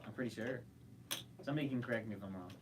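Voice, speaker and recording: A man's voice: fairly low pitch, very fast, noisy background. A man co-hosting a casual livestream, chatting and reading viewer comments aloud.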